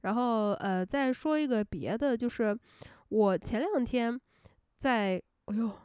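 A woman hosting an unscripted casual rant, telling stories in an animated way, laughing often and dropping English words into her talk. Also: on the high side, takes it slowly, clear, resonant tone, no echo, studio quality. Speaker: host.

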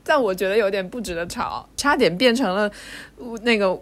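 Woman co-host, mid-pitched, careful and thoughtful. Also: lively intonation, fairly quick, fairly bright tone. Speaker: podcast co-host. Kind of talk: casual chat.

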